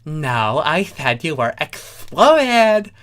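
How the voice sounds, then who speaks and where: A woman's voice: sits low, very animated, very slow, pitched above the performer's own voice, exaggerated voice. A woman voicing an earnest, exasperated male insect-like creature who pleads emphatically in a comic story reading. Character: earnest male changeling, peace-making, exasperated debater.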